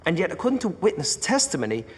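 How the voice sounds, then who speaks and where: An actor playing a composed, probing defence barrister in a television drama, with formal, precise questioning. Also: male voice, on the high side, big pitch swings, fast talker, husky, long reverb tail, heavily acted. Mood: coolly pressing. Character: composed, probing male defence barrister, sharp in cross-examination. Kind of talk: television courtroom drama acting.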